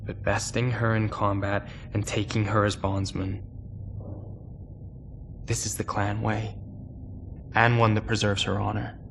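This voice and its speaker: A gravelly, low-voiced young warrior, brooding and stubbornly earnest in a game drama. Clear noise runs behind the words. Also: male voice, level tone, unhurried, long pauses. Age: young adult. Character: earnest, stubborn young male mech pilot. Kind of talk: dramatic game cutscene acting.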